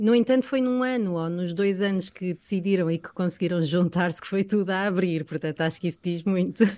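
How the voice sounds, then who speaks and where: A woman's medium-pitched voice with a dark, mellow tone and hardly any pauses. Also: ordinary pitch variation, moderate pace. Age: 30s. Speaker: mother and radio personality. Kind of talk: podcast interview, personal testimony.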